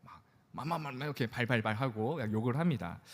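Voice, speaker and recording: A pastor in his thirties preaches to young adults in a church sanctuary, keeping things conversational and joking. His voice is mid-range and fairly quick, with church hall reverb on the recording.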